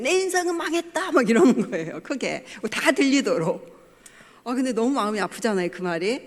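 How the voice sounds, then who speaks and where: A middle-aged woman tells family stories from the front of a church, acting out each family member's words as she goes. Her voice sits in a comfortable middle range. A long reverb from the sanctuary trails behind every phrase. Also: medium pitch. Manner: storytelling, acting out family quotes. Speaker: pastor's wife giving a family talk. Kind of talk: church lecture with personal stories.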